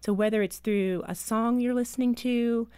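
A woman's voice: on the high side, fairly even intonation, normal speed, dark tone, clean tone, dry recording. A woman in her thirties, a mother and author, telling personal stories earnestly in an interview and growing emotional at times. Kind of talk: interview conversation.

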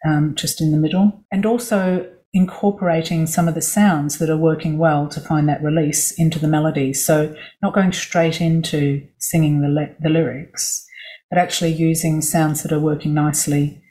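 A woman's voice: sits low, little pitch movement, dark tone. Woman coach explaining voice care. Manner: explanatory, measured, many "you know" asides. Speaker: vocal coach guest. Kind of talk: podcast interview.

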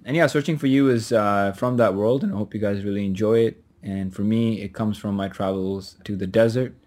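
Man from Pakistan, a music producer, low-pitched and laid-back, talking through his sound. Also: a little mellow. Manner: easygoing, with fillers and pauses. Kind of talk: casual recorded explanation.

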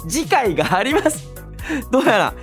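Animated man hosting a radio show. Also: very high-pitched, normal speed. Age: 30s. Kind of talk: casual solo radio talk, reading listener mail. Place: radio studio. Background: background music.

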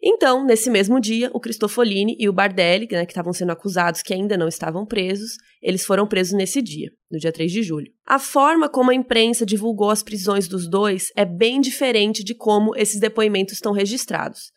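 A woman's voice: mid-range voice, brisk, few pauses. A woman co-hosting a podcast, explaining case details in a chatty way with explanatory asides. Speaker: podcast co-host. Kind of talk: casual true-crime retelling.

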